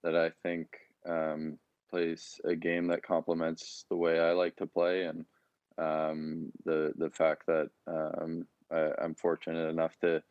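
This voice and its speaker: A man's voice: rumbling low, monotone, unhurried, darkish tone, dry recording, dull audio. A young man answering press conference questions, hesitant, with many fillers and restarts. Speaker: interviewed hockey player.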